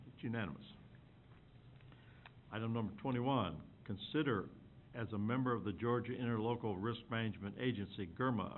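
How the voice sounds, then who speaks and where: A man formally chairing a city commission meeting, calling votes and courteously inviting comment. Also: lowish voice. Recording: phone-like lo-fi council recording with clear hiss.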